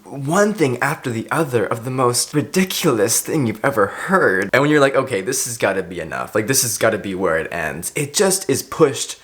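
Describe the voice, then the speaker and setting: A man's voice: medium pitch, animated, moderate pace, hardly any pauses, fairly bright tone. A man chatting casually in a book vlog, thinking aloud and often repeating himself as he rambles. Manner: hesitant, repeats words and phrases while thinking aloud; casually sweary. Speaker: vlogger reviewing a book.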